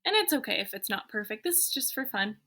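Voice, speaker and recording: This woman, an elementary school teacher, speaks fast in a mid-range, sing-song voice with a sharp tone. She takes children through drawing stage by stage, giving easy, encouraging instructions and thinking aloud as she goes.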